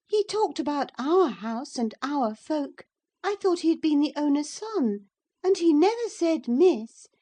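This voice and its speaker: A woman's voice: very animated, unhurried, mellow. A woman reading an audiobook and voicing a spoiled, imperious young girl who is demanding and easily brought to tears. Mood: curious. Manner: shrill, demanding, indignant.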